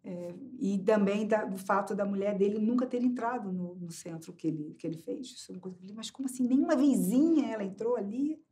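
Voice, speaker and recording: A woman's voice: medium pitch, quick pace, hardly any pauses, dark tone. A woman answering an interview question, rambling a little and often adding tag questions.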